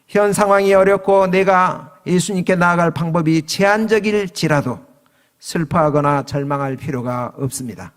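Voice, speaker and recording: A man's voice: high-pitched, moderate pace. A man preaching a sermon as pastor, switching into raised voices for quoted lines. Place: church sanctuary. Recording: long reverb of a church hall.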